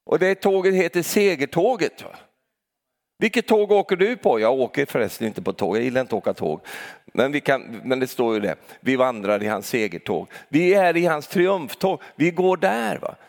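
Guy preaching, keeps asking the crowd questions, lively sermon. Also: mid-range voice. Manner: lively, talks straight to the congregation with rhetorical questions and tag "va?".

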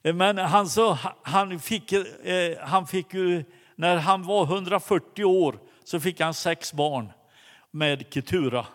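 A man preaching a sermon, telling a story with many halting restarts. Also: high voice, fairly bright tone. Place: church hall. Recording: long hall reverb.

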